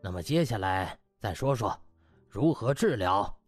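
A man voicing a stern, lofty elderly hospital director who lectures deliberately in an audiobook. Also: fairly low pitch, expressive, soft background music, voice pushed down. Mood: stern lecturing.

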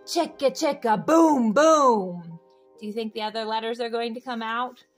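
A woman reading a picture book aloud to young children, expressive and sing-song, talking directly to her little listeners. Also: on the high side, moderate pace, faint music behind.

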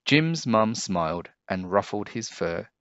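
A man reading a children's story aloud in an expressive way, acting out the characters for young listeners. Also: on the low side, measured pace, no room sound, lo-fi sound.

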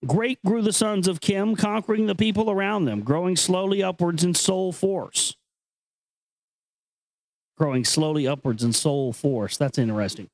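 Guy with a pretty high voice, dry close sound, host doing dramatic reading and casual earnest commentary. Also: moderate pace, darkish tone, dry recording, low-quality recording.

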